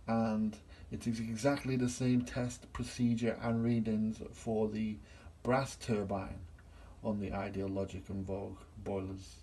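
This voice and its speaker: Holding his phone camera, a middle-aged man who works as a gas engineer demonstrates a boiler test in a small workshop, step by step. His voice is lowish and dark, his delivery flat and unhurried.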